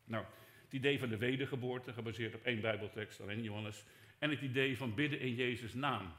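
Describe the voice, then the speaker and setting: An older man preaching a sermon as pastor, conversational, dropping to soft asides and rising for emphasis. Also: medium pitch, brisk. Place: church hall. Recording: echoey church hall.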